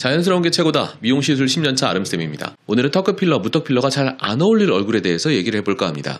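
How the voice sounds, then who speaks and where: A man's animated, very fast delivery with vocal fry, very wide pitch swings, very even loudness and hardly any pauses, over a quiet background. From South Korea. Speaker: cosmetic doctor. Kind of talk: educational video monologue. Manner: animated, explanatory, mimics expressions. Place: office. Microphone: studio mic.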